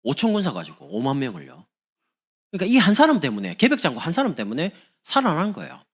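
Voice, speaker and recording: A man from Busan, preaching a sermon as pastor in an animated, humorous way. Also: a little high, fast talker, husky. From Busan, South Korea.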